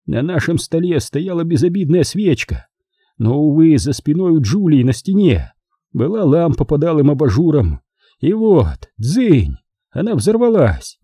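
A man's voice: lowish voice, wildly swooping pitch, moderate pace, hardly any pauses, mellow, breathy edge, no echo, clean studio sound, full character voice. A man voicing a theatrical, despairing middle-aged uncle who wails and exclaims in an audiobook. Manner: melodramatic, wailing and exclaiming. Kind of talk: audiobook character reading.

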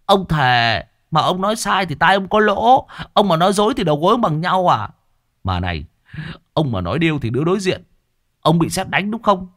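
A man's voice: high voice, big pitch swings, fairly quick, a bit bright, pitched above the performer's own voice. A man voicing a flustered young master who grumbles and stammers. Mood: grumbling.

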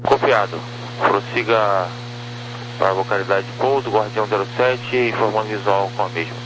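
A man's voice: fairly low pitch, normal speed. A Brazilian man giving procedural police and air traffic radio instructions as a controller, heard over a radio transmission. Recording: noisy radio channel with hum.

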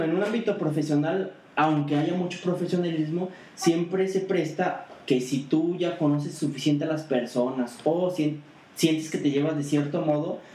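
A man chats casually on a podcast, picking up the others' points. His voice sits a bit high and comes from off-mic. The room echoes around him, with faint hiss behind. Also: mellow, distant mic. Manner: chatty, agreeing, building on others' points. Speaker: podcast co-host. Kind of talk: casual chat.

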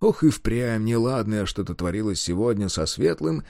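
A man's voice: lowish voice, normal speed, creaky, no echo, studio quality. A man reading a folk-tale style novel aloud as scripted audiobook narration, also reading out footnotes. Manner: lively storytelling, reads out footnotes. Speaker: audiobook reader.

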